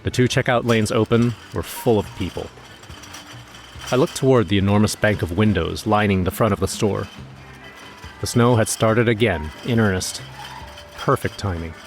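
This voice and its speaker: Casting: male actor for wry, nervous everyman narrator, lowish voice, scripted horror audio drama storytelling. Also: normal speed, long pauses, faint music behind, lightly acted. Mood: wry, uneasy.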